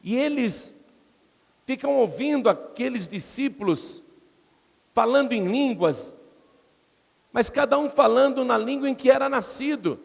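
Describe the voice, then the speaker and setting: In a big church hall full of long reverb, this gravelly-voiced man delivers an expository sermon with animated, measured speech and long pauses. He's a pastor with a Brazilian Portuguese accent who tells the scripture story dramatically. As he voices the crowd, his pitch rises.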